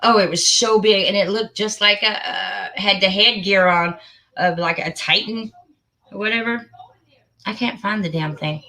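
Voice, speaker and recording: A woman hosting a casual livestream, chatty and excitable, muttering to herself as she searches for something. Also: medium pitch, moderate pace, poor audio. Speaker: livestream host.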